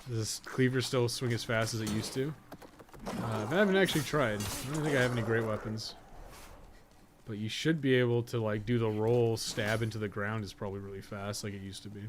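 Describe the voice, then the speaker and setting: A man's voice: on the low side, a little fast. Man musing through gameplay, noisy background. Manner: musing, self-questioning, trailing asides. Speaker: podcast co-host and game guide writer. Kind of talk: casual gameplay commentary, thinking aloud.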